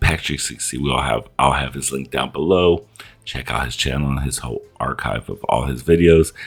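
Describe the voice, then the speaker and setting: Noticeable background noise fills the recording. A man's voice comes through it. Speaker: YouTube reaction creator. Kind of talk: casual vlog intro. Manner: speaking low; hesitant, filler words.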